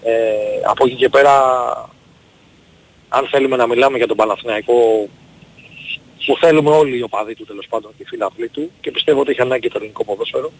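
A man in his forties calling a radio show, giving a measured, reasoned opinion with hesitant fillers. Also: medium pitch, husky, rough recording. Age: 40s. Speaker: caller. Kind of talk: call-in opinion.

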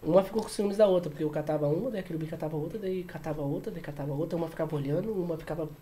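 A man's voice: on the high side, rapid-fire, mellow, slight background noise. A man with a Brazilian accent telling casual anecdotes as a podcast guest, using heavy slang and repeating himself.

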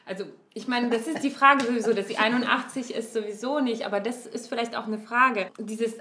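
A woman's voice: fairly high pitch, steady tone, a little fast, pushed and bright, roomy sound. A woman hosting a German podcast with chatty enthusiasm. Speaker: podcast host. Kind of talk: casual podcast chat.

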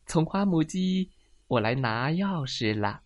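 A woman's voice: deep voice, animated, a little slow, voice pushed up. A woman voicing a courteous black rooster friend in a storybook reading. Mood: polite. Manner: courteous, polite.

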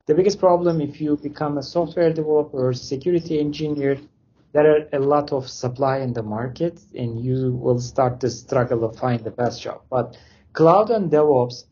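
Man, dark husky voice. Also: medium pitch, dull audio. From Turkey. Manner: loose non-native phrasing, many fillers. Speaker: interview guest, company founder. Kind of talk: casual interview answers.

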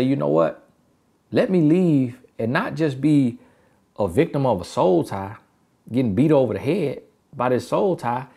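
A man's voice: medium pitch, vocal fry, darkish tone. A man with a country Southern accent giving relationship advice in an emphatic, repetitive motivational style. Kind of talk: motivational talk.

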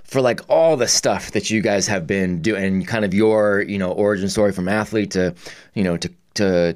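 A man chatting casually as an interview host, informal and slangy, often saying "dude" and "man". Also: fairly low pitch. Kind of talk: casual chat.

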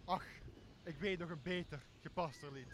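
A young man plays a tipsy, bossy castaway in a radio play. His voice is high for a man and blusters coarsely, with clear outdoor nature sounds behind it. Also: moderate pace, noisy background, lightly acted. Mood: tipsy, self-pitying. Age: young adult. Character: boozy, blustering male castaway, greedy and bossy.

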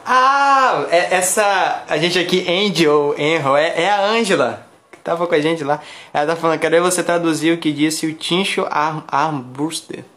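A Brazilian man co-hosting a live stream, reading viewers' comments aloud in a relaxed way. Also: on the high side, normal speed, roomy sound. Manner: relaxed, reads chat messages aloud. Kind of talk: casual live-stream chat.

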